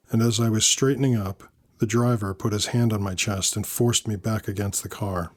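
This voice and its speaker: A man narrating a scripted first-person story in a measured, dry, wry manner. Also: lowish voice, darkish tone.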